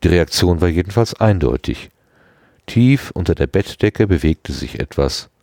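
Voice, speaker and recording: Deep male storyteller, lively and expressive read. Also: measured pace, gravelly, no room sound, clean studio sound. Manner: expressive, voices each character. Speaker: audiobook reader. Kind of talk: storybook reading.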